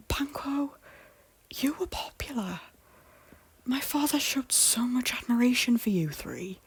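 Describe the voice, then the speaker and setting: A woman playing an embittered, despairing young king in an audio drama, brooding and wounded, with a soft, breathy voice. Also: medium pitch, dry recording. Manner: brooding, swings between muted and outbursts. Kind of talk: audio drama acting of a Shakespeare-style story.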